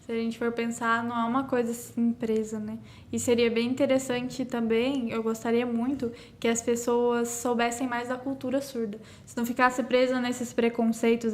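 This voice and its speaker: A woman's voice: a little high, slight background noise. A woman, a sign language teacher and podcast guest, explaining things with everyday examples and a frequent "né?". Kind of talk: casual podcast conversation.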